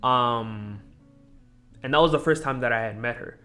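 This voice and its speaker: A young man, a podcast guest, telling a personal story in a halting, disjointed way, full of restarts. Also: mid-range voice, bright, forceful tone, soft background music. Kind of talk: casual conversation.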